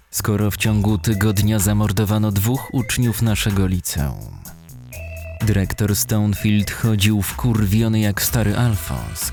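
A man narrating a scripted first-person horror story in a dramatic, measured way, recorded in a studio. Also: fairly low pitch, gravelly, a little mellow. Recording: music behind the voice. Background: music.

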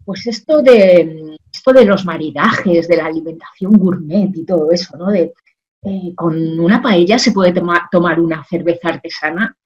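A woman, a guest in a casual interview. She talks in an animated, chatty way with lots of fillers, over a video call from a home office. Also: on the low side, moderate pace, dull audio, a little hiss or hum. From Madrid, Spain. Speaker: guest, social selling expert. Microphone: video call webcam.

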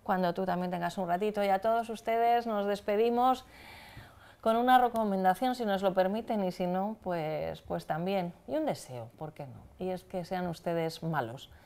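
A woman's voice: medium pitch, normal speed, a little mellow. A woman with a Spanish accent from Spain, hosting a studio talk show and chatting with guests, often murmuring agreement as they speak. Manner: conversational, frequent murmured agreement.

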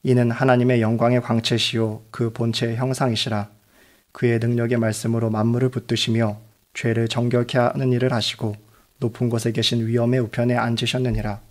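A man reading Bible passages aloud in a measured, steady manner. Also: mid-range voice. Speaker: Bible reader. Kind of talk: scripture reading.

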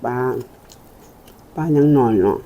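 A woman's voice: measured pace, phone-quality sound. An older woman with an Isan northeastern Thai accent chats casually and in a folksy way to her viewers as she does a mukbang eating show. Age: older, a grandmother. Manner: folksy, repeatedly addressing viewers as kin. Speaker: mukbang host.

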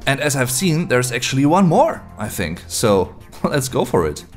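A man's voice: mid-range voice, sing-song, moderate pace, soft background music. A man in his thirties from Germany, a native German speaker, giving a casual language lesson and musing aloud as he goes. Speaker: language video host. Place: small room indoors.

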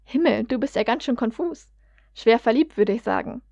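A woman's voice: on the high side, moderate pace, a little mellow, no echo, natural voice. A woman reading as a caring middle-aged mother. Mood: concerned. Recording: dull, dry lo-fi recording.

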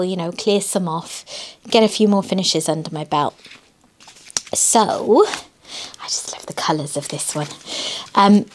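A middle-aged British woman with a slightly husky voice and a slight cough, chatting casually as she crafts. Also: mid-range voice, darkish tone. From United Kingdom. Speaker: craft channel host. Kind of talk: casual chat while crafting. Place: indoors at a wooden table. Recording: clear background noise, handling crinkles. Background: crinkling and clicks of craft materials.

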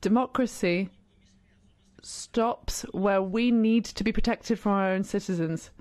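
A woman giving simultaneous interpretation of a debate speech, brisk and pausing on filler sounds between phrases. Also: mid-range voice, a little mellow. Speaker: conference interpreter.

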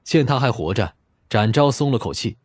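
A man's voice: mid-range voice, lively intonation, normal speed, breathy edge. A man reading a crime novel as a scripted, dramatic audiobook narration.

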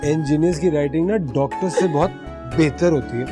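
An actor playing a teasing, affectionate young groom in a TV drama. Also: male voice, on the high side, a little fast, over music, lightly acted. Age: young adult. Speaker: engineer groom. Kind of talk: TV drama acting.

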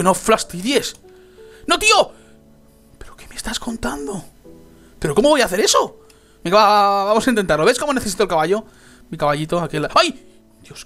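A young man talks his way through a game, excitable and quick to yelp or laugh. His voice sits high and swings widely in pitch. Faint music plays under him. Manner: excitable, yelps and laughs at falls. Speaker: Minecraft let's player. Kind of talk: gameplay commentary.

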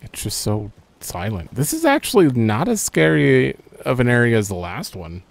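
Young man, gravelly, lively pitch, rambling let's-play commentary. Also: moderate pace. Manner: rambling, thinking aloud. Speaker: gaming channel host.

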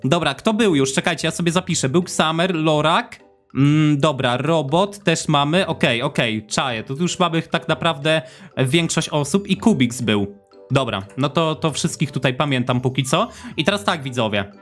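A young man giving chatty, excitable gameplay commentary and talking straight to his viewers. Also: a little high, moderate pace, faint music behind. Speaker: gaming YouTuber.

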